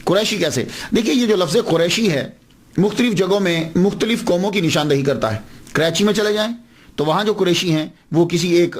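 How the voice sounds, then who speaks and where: A man's voice: high voice, breathy edge. A man giving a religious lecture as a scholar, explaining step by step and asking questions he then answers. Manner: slows down to spell out names and words. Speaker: Islamic scholar.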